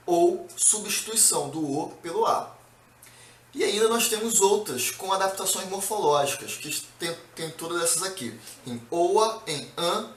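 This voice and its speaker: Man teaching grammar, slightly higher voice, mic set back, faint room hum. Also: a bit bright. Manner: explains step by step, reading out word lists, checking in with "tá?" and "beleza?". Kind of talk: recorded video lesson. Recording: echoey room, mic at a distance.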